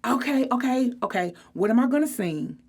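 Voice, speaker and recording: A woman's voice: a little high, animated, normal speed, darkish tone, pitched above the performer's own voice. A woman voicing an exasperated, bossy teenage big sister, sarcastic and slangy, in a storybook reading.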